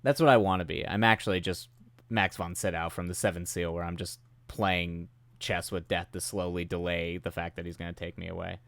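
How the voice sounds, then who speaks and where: A man's voice: low voice, little pitch movement, fairly quick, vocal fry, a bit bright, no echo. A man hosting a live writing stream, chatting casually and rambling with a self-deprecating humor, while he's coming down with a cold and his voice is starting to go. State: getting sick, voice starting to go.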